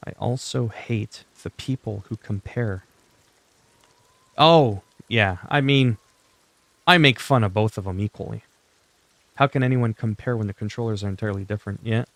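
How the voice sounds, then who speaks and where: A man's voice: lowish voice, creaky, no room sound. Chatty French-native male gaming streamer. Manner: chatty, opinionated, talks to chat. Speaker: gaming livestreamer. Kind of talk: casual livestream chat while playing.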